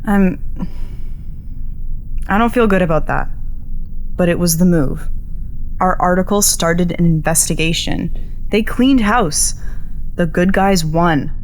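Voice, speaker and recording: A woman's voice: lowish voice, takes it slowly, long pauses, slight background noise, poor audio. An actress playing a stubborn, bitter young woman journalist in a naturalistic audio drama, blunt and sarcastic as she argues. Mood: defensive.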